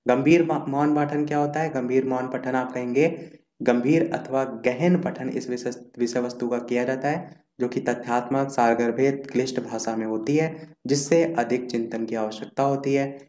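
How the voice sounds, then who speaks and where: Male teacher, exam revision lecture, lists out points, echoey room, mid-pitched voice. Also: steady tone, normal speed, darkish tone. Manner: reads out points in a list, repeats key terms. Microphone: screen recording while scrolling notes.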